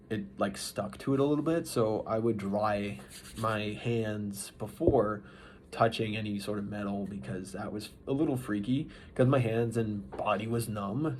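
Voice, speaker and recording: A man with a fairly low voice talks casually as a vlogger, recapping in a loose, unscripted way. His delivery halts and restarts as he rambles through his thoughts. There is faint ambient noise in the recording. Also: a little mellow. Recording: noisy ambient background.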